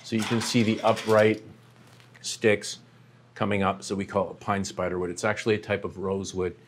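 Middle-aged man, lowish voice, relaxed shop-owner tour guide, lots of filler sounds, big indoor store. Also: moderate pace, a little hiss or hum. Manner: relaxed, many "um" fillers, pointing at products as he walks. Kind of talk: casual walking tour. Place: large aquarium shop showroom and warehouse, indoors.

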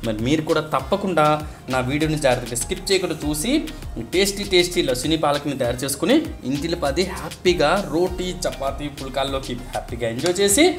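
A man's voice: fairly high pitch, animated, fast talker, faint music behind. A man narrating a cooking recipe step by step, addressing viewers directly in an instructional way. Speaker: host of a cooking channel.

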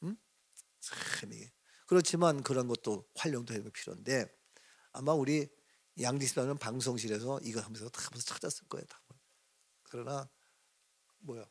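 A man's voice: mid-range voice, moderate pace, vocal fry, long pauses, breathy edge. A middle-aged male pastor giving a casual early-morning sermon, chatty and teasing, sometimes rising to emphatic exclamations. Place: church sanctuary.

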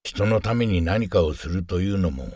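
Man acting an earnest, low-voiced father. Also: lively intonation, normal speed, darkish tone, no echo, clean studio sound. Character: earnest, gentle family father. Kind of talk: everyday family drama.

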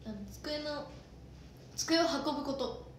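A woman's voice: sits high, unhurried. A woman, chatting casually on an idol livestream and reading out viewer comments. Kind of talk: casual chat. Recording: echoey room with noticeable noise.

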